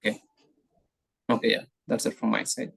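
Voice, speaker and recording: A man with an Indian accent putting a question on an earnings call in a hesitant, halting way. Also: fairly low pitch, little pitch movement, gravelly, a bit bright, slightly rough. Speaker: investor or analyst asking questions.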